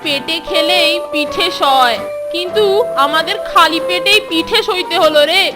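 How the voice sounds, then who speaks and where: A woman's voice: very high-pitched, a little slow. A woman voicing a young schoolboy sidekick in a children's cartoon, childlike, exclamatory and a bit grumbly. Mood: aggrieved. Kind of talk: Bengali children's cartoon dubbing. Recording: music behind the voice.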